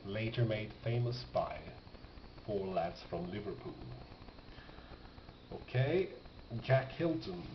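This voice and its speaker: A man giving casual, off-the-cuff commentary as he presents a collection, musing aloud and often questioning himself. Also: lowish voice. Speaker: record collector presenting finds. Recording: dull lo-fi, noisy, roomy sound.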